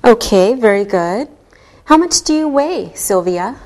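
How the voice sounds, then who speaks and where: A woman teaching English to a class, speaking slowly and clearly and explaining each point patiently, step by step. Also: fairly high pitch, animated, a little mellow. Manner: patient, deliberate, spells things out step by step.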